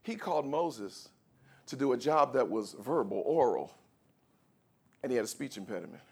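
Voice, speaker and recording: A man preaching a sermon as pastor, in an animated style that swings from quiet teaching to shouting as he acts out scripture. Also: medium pitch, moderate pace, creaky, husky.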